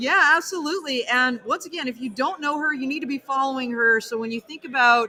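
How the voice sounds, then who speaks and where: Over noticeable background noise, a woman with a high pitch uses a raised, projected voice at a fairly quick pace with hardly any pauses. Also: ordinary pitch variation. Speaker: podcast co-host. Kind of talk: live interview. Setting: conference floor during break. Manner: loud; animated.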